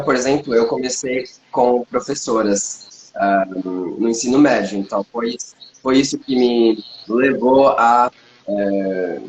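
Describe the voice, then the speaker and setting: A man talks in a casual chat in Portuguese, which is not his first language. He hesitates and restarts his sentences often. His voice sits at a middle pitch and carries a roomy echo over a faint hiss. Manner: hesitant, many restarts and fillers. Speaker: co-host, polyglot. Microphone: livestream recording.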